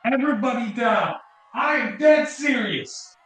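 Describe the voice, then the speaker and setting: A man playing a desperate, crazed gunman shouting frantic threats in an audio drama. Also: very high-pitched, expressive, measured pace, exaggerated voice. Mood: desperate, threatening. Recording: roomy, noisy, distant from the mic.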